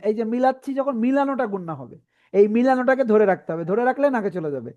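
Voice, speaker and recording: A woman teaching a Quran reading class, spelling out letter combinations slowly and often checking in with her students. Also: on the high side, expressive, muffled recording. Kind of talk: online class lesson.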